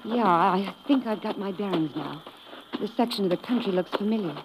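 A woman's voice: medium pitch, fairly quick, lightly acted. Actress as plucky woman sidekick, very noisy recording. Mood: confident. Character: plucky, resourceful young woman sidekick to an agent. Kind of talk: 1950s radio drama acting. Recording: very noisy old 1950s radio recording.

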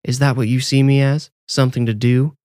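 A man's voice: medium pitch, fairly quick, dry recording, studio quality, voice pushed up, close to an everyday voice. A man voicing a hot-tempered teenage girl who turns sarcastic and aggressive. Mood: angry. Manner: sharp, sarcastic, yelling.

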